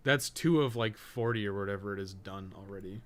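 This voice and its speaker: A podcast co-host plays a video game while giving casual, rambling commentary, blunt and full of swearing in an offhand, grumbling way. His voice is lowish and fairly quick, with clearly audible background noise behind it.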